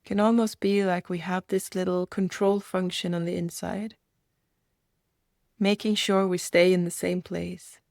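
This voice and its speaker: A woman leading a guided meditation, speaking gently in soft invitations with reflective pauses. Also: fairly low pitch, little pitch movement, vocal fry, no echo, clean studio sound.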